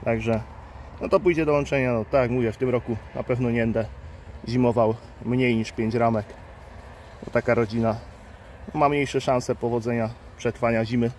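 A man at mid pitch talking casually as he tends beehives outdoors, filmed on a handheld phone. He is unhurried and thinks aloud, pausing on fillers. A faint hum of bees and outdoor ambience sits behind him. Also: steady tone, darkish tone. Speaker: beekeeper and channel host. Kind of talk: casual hands-on explainer vlog. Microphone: handheld phone camera. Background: faint outdoor ambience with buzzing bees.

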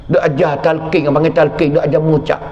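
A man's voice: on the high side, flat delivery, a little fast, darkish tone. A man preaching with a Pattani Malay accent, telling a story dramatically and repeating phrases. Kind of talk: storytelling sermon. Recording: echoey hall, dull lo-fi sound.

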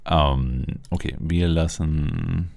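A man's voice: rumbling low, steady tone, drawn-out words, vocal fry, a little mellow. A man doing casual roleplay commentary on a game as he plays, musing aloud and asking himself questions. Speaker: let's player. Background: game music.

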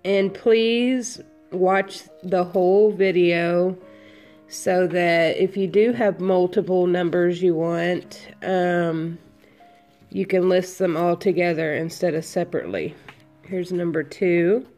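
A woman with a cold, sniffling a little, slowly listing her handmade headbands for sale from home. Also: lowish voice, steady tone, darkish tone, soft background music. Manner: slow, unhurried item-by-item listing. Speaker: crafter selling handmade headbands. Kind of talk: casual product walkthrough.

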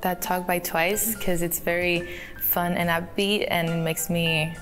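A teenage woman from Canada answering interview questions in a soft, giggly way with many ums, filmed in a photo studio. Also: fairly low pitch, fairly even intonation, unhurried. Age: teens. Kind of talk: recorded profile interview. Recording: clip played with faint music.

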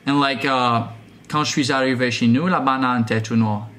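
A young man with a Quebec French accent, talking casually and haltingly as a prank caller. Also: mid-range voice, steady tone, noisy background. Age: young adult. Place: small room indoors.

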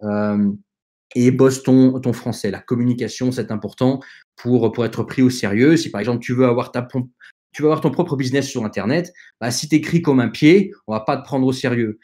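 A man's voice: medium pitch, moderate pace, warm tone. A man whose first language is not French, speaking as a podcast guest and giving direct advice to young listeners in a hesitant way, with many fillers and restarts. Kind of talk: conversational advice in an interview.

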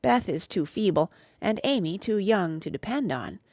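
A woman reading as a gentle loving mother. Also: mid-range voice, very animated, normal speed, no echo. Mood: tender. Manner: tender, soft-spoken. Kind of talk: audiobook reading.

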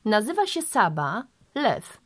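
A woman voicing a calm, kindly father who speaks reassuringly and with good humor. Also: medium pitch, slow pace, dry recording, heavily acted.

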